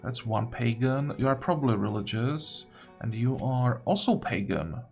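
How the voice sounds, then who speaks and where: A man's voice: mid-range voice, lively intonation, moderate pace, vocal fry, breathy edge, faint music behind. A man giving unscripted game commentary, thinking aloud in a musing, hesitant way as if talking to himself. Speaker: gaming video host.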